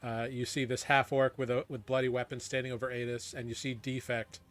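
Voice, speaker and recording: A man running a tabletop game as game master, narrating casually in halting, improvised descriptions. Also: mid-range voice, little pitch movement, fairly bright tone.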